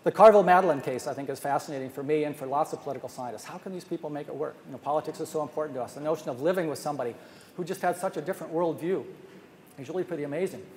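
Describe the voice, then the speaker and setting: Speaking rapid-fire in a darkish voice on the high side, an older researcher gives an earnest academic conference talk from a podium in a big hotel ballroom. He thinks aloud and restarts often, amid long reverb and faint noise.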